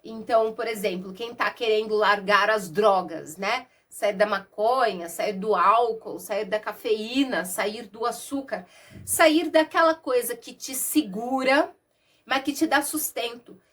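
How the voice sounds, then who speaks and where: A Brazilian therapist and mentor gives a casual explainer to camera, warm and conversational, sprinkling in diminutives and asides. A cold leaves her slightly high voice nasal and husky, and her easy, chatty flow runs a little slow. She records without an external microphone.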